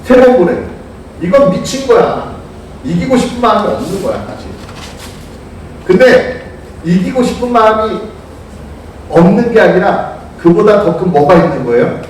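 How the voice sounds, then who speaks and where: A man preaching a lively storytelling sermon to young people, asking them questions and calling on them by name. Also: high-pitched, normal speed, pauses often, slight background noise. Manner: animated, asks listeners questions, calls on them by name. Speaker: youth pastor. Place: church sanctuary. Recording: echoey church hall, distant mic.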